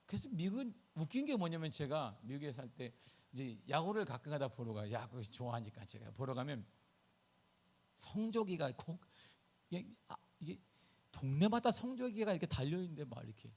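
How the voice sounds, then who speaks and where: A man preaching a sermon to his congregation, animated, asking them questions and answering himself. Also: a little high. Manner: sings hymn lines slowly in the middle of talking. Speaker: pastor. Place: church sanctuary.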